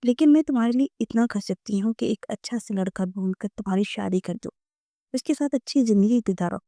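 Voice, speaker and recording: A woman's voice: mid-range voice, dark tone, no room sound, studio quality, close to an everyday voice. A woman reading the part of an anxious fiancée who talks earnestly. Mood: apologetic.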